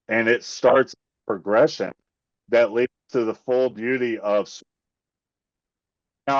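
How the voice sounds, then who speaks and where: A man presents a relaxed nature seminar through earbuds on a video call, pausing often with fillers and restarts. His voice keeps cutting out over a poor connection. The call audio sounds muffled and completely dry. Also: mid-range voice, dry recording. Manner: halting, with many fillers and restarts. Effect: voice cutting out over a bad call connection. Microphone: Bluetooth earbuds on a video call.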